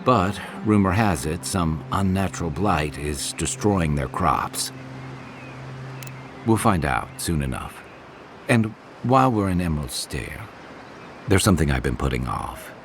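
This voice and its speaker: An actor playing an easygoing, wry adventurer companion in a video game, teasing and reflective. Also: male voice, low-pitched, sing-song, measured pace, creaky, music in the background, full character voice. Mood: reflective, hesitant. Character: easygoing wry male adventurer companion, weathered but good-humoured. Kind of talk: naturalistic video game dialogue.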